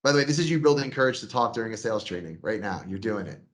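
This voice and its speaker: A man's voice: on the low side, expressive, very fast. A man leading a sales training, coaching his team with energy and acting out sample phone calls.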